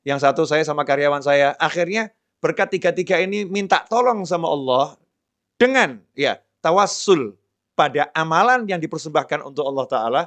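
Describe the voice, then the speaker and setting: Give me a middle-aged preacher with a somewhat high voice, talking conversationally in a sermon. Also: male voice, expressive, normal speed. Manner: conversational, plays out prayers and dialogue in a softer lowered voice.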